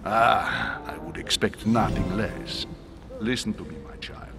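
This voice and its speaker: An actor playing a discreet, paternal Catholic churchman in a video game, speaking in a measured, ceremonious, formal way. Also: fairly low pitch, creaky. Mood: hesitant, solemn. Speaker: actor in a narrative adventure game. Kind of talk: cinematic game dialogue. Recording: game dialogue over background music.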